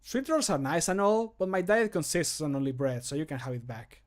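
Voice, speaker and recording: A man voicing a polite but dismissive video game character, measured, starting sing-song and falling away. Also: on the high side, close to an everyday voice. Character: game character politely turning down a sweet roll. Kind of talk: video game voice line acting.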